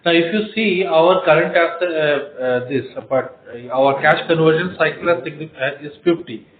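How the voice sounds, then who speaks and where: A man's voice: a little high, moderate pace. This man. As a finance executive, he gives figures with many hesitations and fillers. The sound is roomy and squeezed through a phone line. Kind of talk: earnings call answers. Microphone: conference call phone line. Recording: echoey room over phone line.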